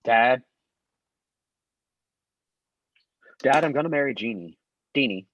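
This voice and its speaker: A man acting an earnest, troubled teenage son who speaks haltingly and deferentially in a drama table read. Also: medium pitch, expressive, a bit bright, no room sound, muffled recording, natural voice. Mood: nervous, earnest. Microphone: video call microphone.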